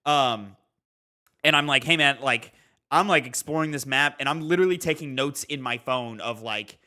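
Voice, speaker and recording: A man co-hosting a gaming podcast, chatting casually and telling things in an animated way. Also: medium pitch, moderate pace. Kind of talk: casual chat.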